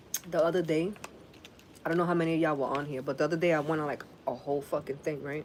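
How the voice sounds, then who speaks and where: A woman with a very deep, low pitch speaks at a very fast pace, yet with long, frequent pauses. Noticeable background noise is present. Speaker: tarot reader. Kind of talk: live-stream tarot reading chat. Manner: casual, profane, animated.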